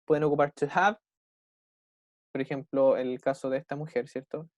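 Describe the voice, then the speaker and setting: A young adult man with a Chilean Spanish accent, teaching an English class online. He keeps checking in with his students and slows right down to model English phrases. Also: mid-range voice, fairly even intonation, a little mellow, no room sound, muffled recording. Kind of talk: online class explaining vocabulary.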